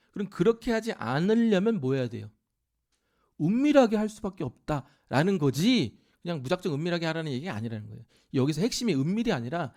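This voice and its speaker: Animated Korean pastor preaching a sermon. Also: male voice, fairly high pitch. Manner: animated preaching, acting out self-righteous quoted voices. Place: church sanctuary.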